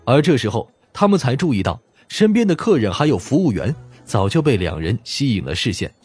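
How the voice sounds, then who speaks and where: A man's voice: mid-range voice, sing-song, brisk, darkish tone, slightly rough, faint music behind. A man reading scripted story narration expressively, as an audiobook narrator.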